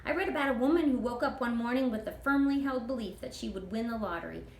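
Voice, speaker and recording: A woman's voice: a little high, fast talker, vocal fry, roomy sound, voice pushed up. A woman reader voicing a folksy, motherly older woman from a children's storybook, with homespun turns of phrase. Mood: marveling.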